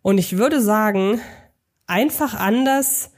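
A woman's voice: mid-range voice, takes it slowly, a little mellow. Wordy podcast woman. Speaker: podcast co-host. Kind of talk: conversational film podcast talk.

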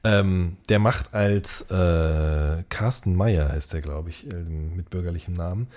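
A man's voice: low-pitched, slow, darkish tone. A man chatting casually as a podcast co-host, often repeating short words of agreement. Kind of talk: casual chat.

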